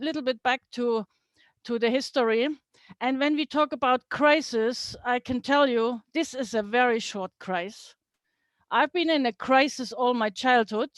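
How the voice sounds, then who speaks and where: A woman's voice: on the high side, no echo. A middle-aged woman from East Germany, German her first language, giving an earnest online business talk over a video call, with small slips in her English. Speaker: guest speaker.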